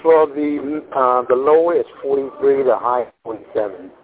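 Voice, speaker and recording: Rambling older man on a phone line. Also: mid-range voice. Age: 60s. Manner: rambling, halting with many fillers and restarts. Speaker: home seller on a phone call. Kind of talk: casual phone conversation. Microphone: telephone.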